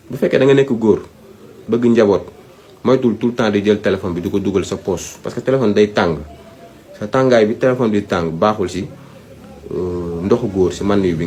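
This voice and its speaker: A man's voice: lowish voice, darkish tone. A Senegalese man giving informal advice, speaking emphatically, repeating his points and addressing the listener directly. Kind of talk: informal advisory talk, Wolof mixed with French.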